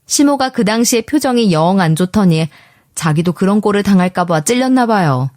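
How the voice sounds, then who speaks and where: Female story narrator, mid pitch, confiding and indignant, dry close-miked read. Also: animated, normal speed, darkish tone, no room sound. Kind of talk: scripted first-person story narration.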